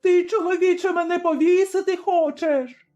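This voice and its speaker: A man voicing a vicious old tavern-keeping woman called a witch in a told story, shrill and screeching. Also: drawn-out words, darkish tone, highs cut off, faint music behind. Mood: terrified.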